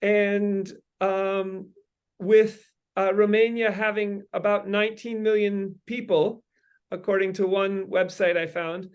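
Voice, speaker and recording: Male host, high smooth voice, halting delivery with frequent fillers, long rambling sentences. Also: level tone. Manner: halting, many ums and uhs, long winding sentences. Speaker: host leading a meeting. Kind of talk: brainstorming meeting talk.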